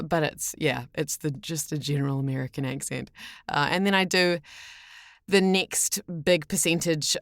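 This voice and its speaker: A woman's voice: lowish voice, no echo, clean studio sound. A woman with a New Zealand accent chatting casually as a voice actor being interviewed, with a chatty, giggly manner. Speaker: voice actor, podcast guest.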